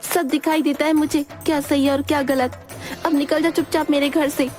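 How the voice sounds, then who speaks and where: A dramatic young cartoon bride who is always hungry, voiced by a woman, pleading and whining in a very high voice. Loud music plays under every line. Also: level tone, normal speed, close to an everyday voice. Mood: whiny.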